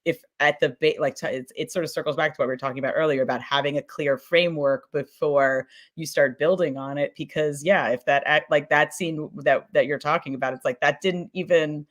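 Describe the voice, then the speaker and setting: A woman in a casual panel talk about production, speaking in an informal, animated, rambling way and often repeating words. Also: low-pitched, brisk, hardly any pauses. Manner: animated storytelling with mimicked sound effects and acted-out quotes. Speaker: scripted podcast producer on a panel.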